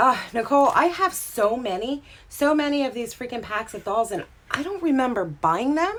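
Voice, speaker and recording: A high-pitched woman with an American accent, very wide pitch swings, and a moderate pace. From Pennsylvania, between Philadelphia and Lancaster County. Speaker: craft livestreamer. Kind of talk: live craft tutorial chat. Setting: live stream. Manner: casual, halting with fillers.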